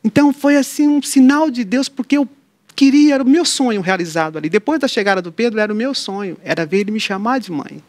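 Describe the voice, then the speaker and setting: A woman's voice: fairly high pitch, quick pace, no room sound. A middle-aged woman, a guest on an interview show, telling a personal faith story and acting out the voices of the people in it. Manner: lively storyteller who acts out quoted dialogue. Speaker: interview guest, mother of an atypical child. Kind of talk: personal faith testimony in conversation.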